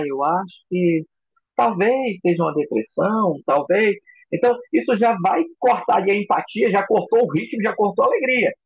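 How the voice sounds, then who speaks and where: A man teaching a recorded psychoanalysis lecture in an expressive way, acting out example voices. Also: sits high, husky, dry recording, dull audio. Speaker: psychoanalysis instructor.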